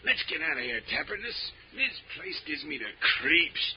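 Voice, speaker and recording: High-pitched, jittery small-time crook. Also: male voice, very animated, normal speed. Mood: nervous. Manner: slangy, whining tough-guy talk. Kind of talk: 1940s radio crime acting. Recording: muffled, noisy old radio recording.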